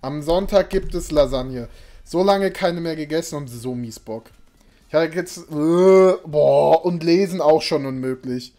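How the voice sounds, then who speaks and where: With a fairly high, mellow voice and a measured pace, a young man streams a game live from a small home room. He rambles casually to his viewers and sometimes erupts in exasperation. Audio comes from a desk mic alongside a webcam, and game music plays faintly underneath.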